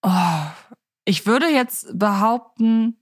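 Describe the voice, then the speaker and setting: A woman's voice: fairly high pitch, takes it slowly. A woman co-hosting a podcast in casual conversation, phrasing things in a wordy, slightly formal way with hesitations. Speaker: podcast co-host.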